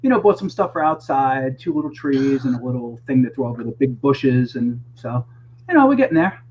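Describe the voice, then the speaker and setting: A man co-hosting a live podcast, speaking over a faulty computer connection that gives low-quality audio. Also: big pitch swings, a little fast, darkish tone, highs cut off. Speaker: returning podcast co-host. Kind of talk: casual live podcast chat. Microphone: computer mic over a remote call. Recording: faint background hiss, poor stream audio.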